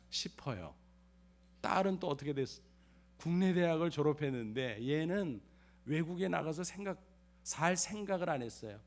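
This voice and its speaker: Emphatic middle-aged male pastor preaching. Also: a little high. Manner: storytelling sermon with acted family dialogue, emphatic repetitions. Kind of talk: sermon. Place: church sanctuary.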